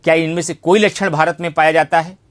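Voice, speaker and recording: A man with a slightly high voice and steady tone teaches an online civics class to coach students for exams. He speaks at a quick pace, emphatically, repeating phrases and throwing out rhetorical questions.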